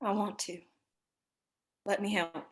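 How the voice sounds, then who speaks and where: A woman's voice: mid-range voice, steady tone, slow, close to an everyday voice. A woman acting a desperate, frightened but defiant young woman at a screenplay table read, with earnest emotion. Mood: quiet defiance.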